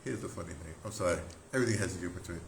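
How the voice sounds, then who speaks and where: An older American man telling stories casually as a talk host, in an excitable, rambling way with broken, repeated phrases. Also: low-pitched, rapid-fire. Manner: excitable, animated storyteller with broken, repetitive phrasing. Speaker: radio drama producer and talk host. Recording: roomy echo, clear background noise.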